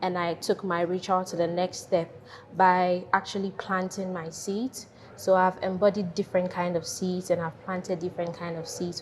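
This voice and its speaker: A young woman from Ghana, a university student, describing her art project earnestly and restarting phrases as she thinks. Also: lowish voice. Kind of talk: reflective interview talk.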